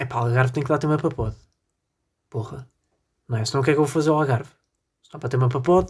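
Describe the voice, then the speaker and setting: A man's fairly high, somewhat breathy voice with a European Portuguese accent, very fast pace and long, frequent pauses. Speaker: podcast host. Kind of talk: casual solo monologue. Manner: animated.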